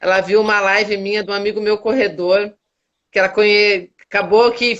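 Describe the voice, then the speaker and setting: A woman's voice: mid-range voice, steady tone, normal speed, lo-fi sound. Chatty woman hosting a live. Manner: warm, chatty, readily agreeing. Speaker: host of an online live show. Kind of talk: casual live interview chat.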